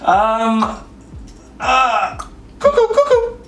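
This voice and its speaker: A woman's voice: a little high, wildly swooping pitch, very slow, fairly bright tone, reverberant, faint music behind. A woman doing goofy, irreverent comic banter as a guest on a radio show. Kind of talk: joking banter and silly sound effects.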